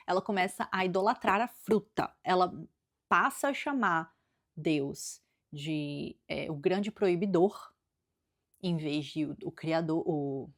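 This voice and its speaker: A woman with a Brazilian accent giving a casual, chatty book review, thinking aloud as she retells the story. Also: on the low side. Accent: Brazilian Portuguese. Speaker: book vlogger.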